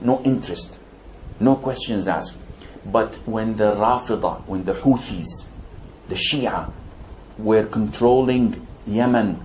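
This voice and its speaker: A man's voice: medium pitch, a little mellow, a little hiss or hum, poor audio. An older man from Saudi Arabia answering a question as a Muslim preacher, with wry jokes and emphatic rises. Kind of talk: lecture Q&A answer.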